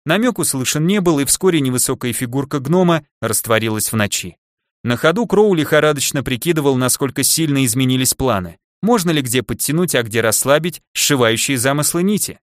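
A man narrating a fantasy audiobook in a steady, even reading voice, close to the mic. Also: mid-range voice, fairly quick, no echo. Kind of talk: scripted narration.

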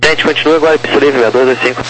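A man's voice: medium pitch, steady tone, fast talker, fairly bright tone, soft background music. A man working as an air traffic controller, giving clipped procedural instructions over the radio. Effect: radio transmission. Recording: faintly noisy, humming aviation radio.

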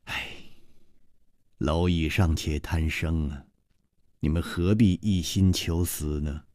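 A male storyteller voicing a haughty, menacing woman in white who speaks low and quietly. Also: fairly even intonation, slow pace, dry recording, studio quality. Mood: cold. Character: cold haughty woman in white, sect leader.

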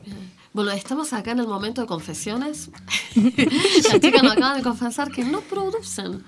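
A woman's voice: fairly high pitch, expressive, moderate pace, very noisy. A woman with an Argentine Spanish accent co-hosting a radio talk show, playful and teasing, with a cold. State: has a cold. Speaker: radio co-host. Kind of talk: casual radio chat.

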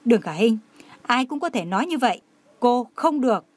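A woman's voice: on the high side, big pitch swings, brisk, a little mellow, no echo. A woman voicing a cold, angry male executive who speaks in clipped, biting lines. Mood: cold anger.

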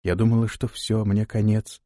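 A man's voice: fairly low pitch, little pitch movement, moderate pace, dark tone, no echo, clean studio sound, natural voice. A man voicing a terrified young woman stuck in a swamp, crying for help. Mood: distraught.

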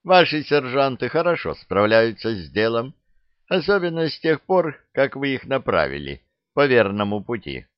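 A man's voice: mid-range voice, big pitch swings, moderate pace, no room sound, highs cut off, pitched above the performer's own voice, close to an everyday voice. A man reading the part of an older veteran soldier with a dry, blunt, self-deprecating way of talking. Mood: wry. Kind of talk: audiobook character reading.

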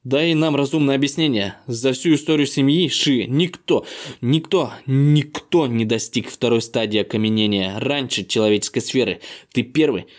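A coarse, hot-tempered old grandfather of a martial clan, as an audiobook narrator puts him on. He curses and shouts, his voice pushed slightly higher and with a rougher, altered tone. The storybook delivery stays gruff and volatile. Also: normal speed, natural voice. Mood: agitated. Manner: coarse, swearing, shouting in disbelief.

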